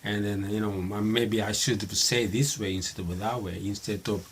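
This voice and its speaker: A middle-aged man from Japan, a native Japanese speaker, talking English in a halting unscripted monologue with many fillers and restarts. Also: fairly low pitch, fairly even intonation, a little hiss or hum. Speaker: vlogger practicing English.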